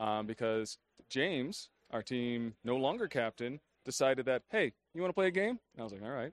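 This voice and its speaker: In an ordinary speaking voice, a man of medium pitch speaks at a moderate pace with lively intonation, in a very clean recording with a silent background. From US West. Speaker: tabletop wargame player. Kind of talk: casual interview. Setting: event floor.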